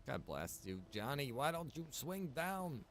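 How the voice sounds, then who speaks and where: A man's voice: medium pitch, big pitch swings, unhurried, a bit bright. A man chatting casually as he streams a game, informal and muttering to himself with the odd mild grumble. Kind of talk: casual chat while gaming.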